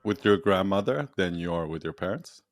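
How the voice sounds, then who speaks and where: A man with a low-pitched voice works as a podcast host. He interviews in an informal, conversational style. The recording is dry and free of room sound. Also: lively intonation, a little fast, dry recording.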